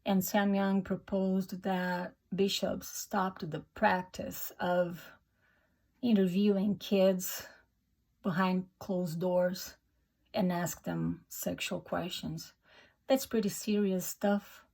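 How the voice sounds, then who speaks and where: Slow-spoken Brazilian woman. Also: mid-range voice. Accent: Brazilian Portuguese. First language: Portuguese. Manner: slow and deliberate, earnest, with hesitant restarts. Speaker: YouTuber. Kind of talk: talking to camera.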